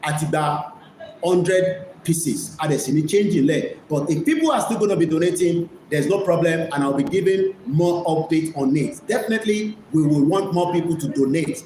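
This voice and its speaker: A man with a Nigerian Yoruba accent hosts an online media broadcast, delivering live commentary that mixes two languages. His voice is slightly high and darkish, at a normal speed, and he speaks emphatically, repeating key phrases. The room is echoey with faint noise.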